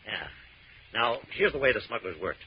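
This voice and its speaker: An actor playing a breezy, confident detective in a 1940s radio crime drama. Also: male voice, fairly low pitch, moderate pace. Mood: confident explaining. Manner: breezy, animated, explanatory. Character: breezy, confident male detective explaining cases. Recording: muffled, hissy old radio recording.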